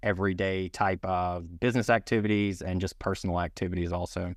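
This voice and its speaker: Against a quiet background, a man with a very deep, low pitch talks fairly quickly in a monotone, flat intonation. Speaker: podcast host being interviewed, data analytics consultant. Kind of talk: casual interview. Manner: fast; frequent filler words.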